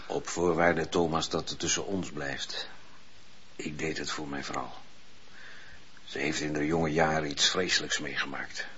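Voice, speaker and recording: A man's voice: very deep voice, flat delivery, a little slow, pauses often, pushed and bright, slight background noise, exaggerated voice. An actor playing a troubled judge who speaks earnestly and defends his honour in a radio play. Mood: confiding. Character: troubled male judge, proud man of honour. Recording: dull old radio recording.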